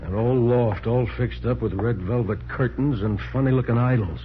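An actor playing a skeptical, impatient homicide detective, gruff and slangy, in 1940s radio drama style. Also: male voice, mid-range voice, normal speed, close to an everyday voice. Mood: wary, scornful. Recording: muffled, noisy 1940s radio recording with hum.

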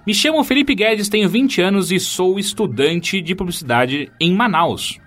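A man's voice: high voice, expressive, normal speed, a bit bright. A Brazilian man co-hosting a casual podcast, chatting and reading out listener mail. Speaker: podcast co-host. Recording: music behind.

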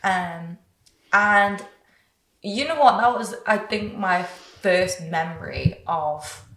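Woman, 20s, low register, roomy echo, chatty and candid guest. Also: takes it slowly, slight background noise. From England. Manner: chatty, frequent "like" and "you know", animated retelling. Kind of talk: candid personal interview. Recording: echoey room.

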